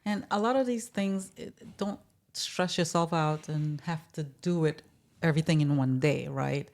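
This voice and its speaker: Woman, low voice, casual health talk, encouraging, practical. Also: moderate pace, darkish tone. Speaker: health coach co-host.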